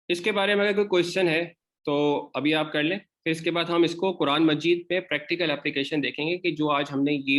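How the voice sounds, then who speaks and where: A man's voice: a little high, a bit bright. A man with a Pakistani Urdu accent teaching an Arabic grammar class, explaining step by step and repeating example words. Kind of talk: online class lecture.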